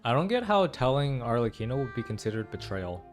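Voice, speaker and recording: Young dude reacting to story game, super animated, slangy, music in background. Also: male voice, mid-range voice, brisk. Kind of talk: casual gaming reaction commentary.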